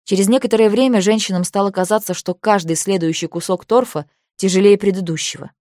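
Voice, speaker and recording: A woman reading an audiobook in an even, measured storytelling manner. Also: mid-range voice, no room sound, studio quality. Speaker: audiobook narrator. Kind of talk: scripted narration.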